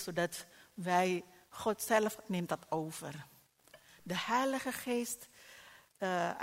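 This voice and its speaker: A middle-aged woman preaching a sermon, swinging between soft reflection and loud exclamations. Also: fairly low pitch. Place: church hall. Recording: long church hall reverb.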